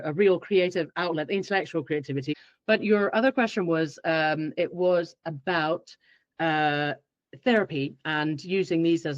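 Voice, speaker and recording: A woman's voice: on the low side, no room sound. Woman, podcast guest, acts out her own thoughts, dry muffled sound. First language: Finnish. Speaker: guest expert. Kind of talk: podcast interview.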